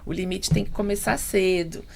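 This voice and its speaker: A Brazilian woman speaks as a guest on a podcast and explains how habits form in early childhood. She breaks in often with short agreements, and her mid-pitched voice carries a gravelly fry. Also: steady tone, normal speed. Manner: explanatory, affirming. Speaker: psychologist guest. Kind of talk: casual podcast chat.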